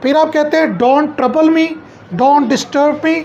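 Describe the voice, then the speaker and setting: High-voiced woman teaching English phrases. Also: drawn-out words, a little mellow, muffled recording, slight background noise. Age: middle-aged. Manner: repeats each phrase as a question and answer. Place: home.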